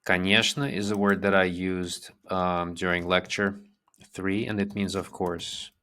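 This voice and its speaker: A man teaching a vocabulary lesson, repeating each word twice in a slow, patient way. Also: low-pitched, flat delivery, pushed and bright, smooth. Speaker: language teacher.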